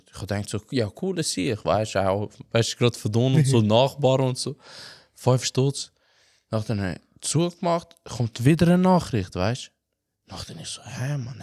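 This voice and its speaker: Animated young Swiss German man. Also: medium pitch, no echo, studio quality. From Albanian from Macedonia. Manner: animated, slangy storyteller with frequent filler tags. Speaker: podcast host. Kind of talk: casual storytelling chat.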